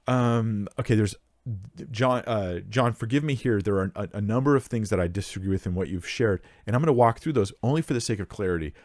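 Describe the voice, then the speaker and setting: A young man with a low voice speaks close to the microphone in a dry, dead room. He answers a listener's question earnestly, pressing his points with emphasis and stopping to restart his sentences. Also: fairly quick, a little mellow, no echo. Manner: earnest, emphatic, thinks aloud with restarts and fillers. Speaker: Bible Q&A host.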